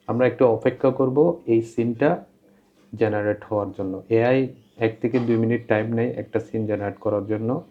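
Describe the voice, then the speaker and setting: A man's voice: mid-range voice, fairly even intonation, normal speed. Slightly dull-sounding male tutorial presenter. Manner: repeats instructions, plain explanatory delivery. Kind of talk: informal step-by-step screen tutorial. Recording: dull, lo-fi voice-over.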